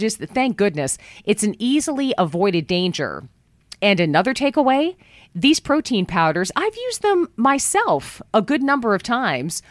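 A woman hosting a talk radio show from a studio, chatting in a folksy, upbeat way, her voice worn low after travel. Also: dry recording. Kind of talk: talk radio monologue with live ad reads. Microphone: studio microphone.

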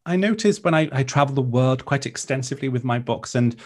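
Welsh-accented male guest, native Welsh speaker, mid-pitched, speaks in slow poetic turns. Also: animated. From Wales. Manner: measured, lyrical and reflective. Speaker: guest, author. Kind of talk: interview conversation.

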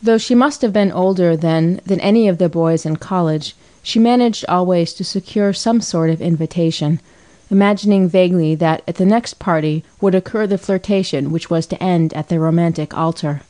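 A woman narrating a classic novel as an audiobook in a calm, even storytelling manner. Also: fairly low pitch, normal speed. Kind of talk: scripted narration.

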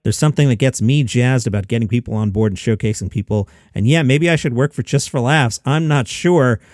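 A man's voice: medium pitch, a little fast, darkish tone, dry recording, clean studio sound. A man hosting his podcast from his basement, chatting casually and rambling into asides, a bit out of breath. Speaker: podcast host. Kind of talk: casual chat. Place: home basement.

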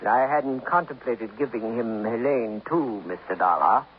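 An actor playing a stern middle-aged literary critic in a 1950s radio drama, speaking in a precise, lofty and contemptuous manner. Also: male voice, mid-range voice, a little slow, lightly acted. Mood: bitter. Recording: dull old radio broadcast with faint hiss.

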